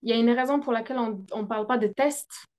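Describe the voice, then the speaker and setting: A young woman talking as a guest in a conversational interview, searching for her words with many pauses and fillers. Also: fairly high pitch, darkish tone.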